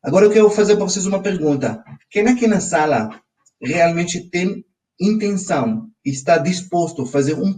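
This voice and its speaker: A man's voice: a little high, distant mic, low-quality recording. A man from Israel with an Israeli accent, a Hebrew native speaker, leading a live online finance class and prompting his viewers again and again. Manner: energetic, audience-prompting with frequent ok?. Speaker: financial coach.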